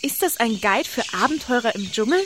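A woman's voice: a little high, animated, brisk, slight background noise. A woman playing an enthusiastic professor of adventure in a children's audio drama. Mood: eager. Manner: bright, enthusiastic.

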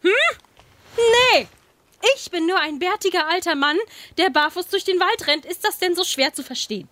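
A woman voicing a gruff, touchy, bearded old male forest troll in a comic audio play. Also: extremely high pitch, animated, normal speed, fairly bright tone, dry recording.

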